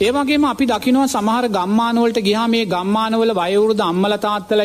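A man's high voice in a Sri Lankan accent at a fairly slow pace, with noticeable background noise. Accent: Sinhala. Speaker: Buddhist monk. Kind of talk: dharma talk answering questions.

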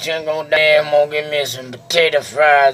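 In a put-on character voice, a man with a fairly high pitch mumbles and drawls at a moderate pace with a flat, monotone delivery. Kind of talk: comic character impression. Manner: mumbling, drawling. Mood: amused, grinning.

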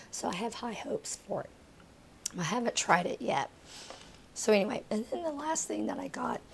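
Over noticeable background noise, the speech goes at a moderate pace with long, frequent pauses and big swings in loudness. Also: woman. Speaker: beauty YouTuber. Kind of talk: casual haul video talk to camera.

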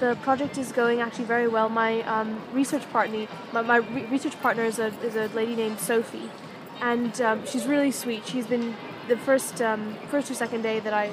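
With music in the background and a dry sound with no echo, the speaker talks in an American accent at a fairly quick pace with fairly even intonation. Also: woman. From United States. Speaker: vlogger and hospital researcher. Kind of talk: casual vlog monologue. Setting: outdoors in a busy city square. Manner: hesitant, many filler words. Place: street. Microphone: phone near.

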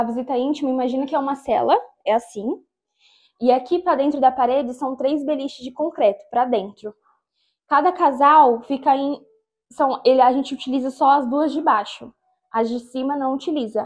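A woman speaks at a high pitch and moderate pace with fairly even intonation. She leaves long, frequent pauses. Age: 20s. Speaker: lash designer, partner of a prisoner; interviewee. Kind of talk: documentary interview. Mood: reflective, personal.

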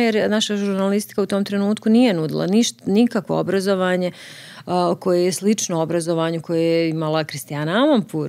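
Against a quiet background, a woman talks at a very fast pace in a dark, mellow tone with lively intonation. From Bosnia and Herzegovina. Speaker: film director and activist; podcast guest. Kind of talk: interview. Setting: studio. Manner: halting, many repetitions. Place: studio. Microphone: studio mic.

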